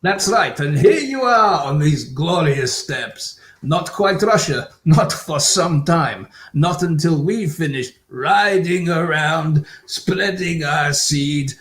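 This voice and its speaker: A haughty Mongol horseman of the steppes, played by a man in an improv scene, speaking slowly and with grand, lordly mockery. His voice swoops up and down with lively scorn. The sound rings in an echoey room. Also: fairly high pitch. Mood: mocking. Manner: slow, lordly, mocking.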